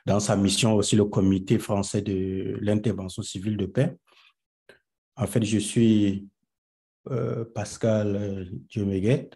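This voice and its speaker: A young man from Cameroon answers questions in an online interview, pausing often and hunting for words. His voice sits low and sounds dark and mellow. He speaks at an unhurried, deliberate pace. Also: vocal fry. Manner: slow, hesitant, many filler pauses. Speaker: guest, peace researcher. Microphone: video call.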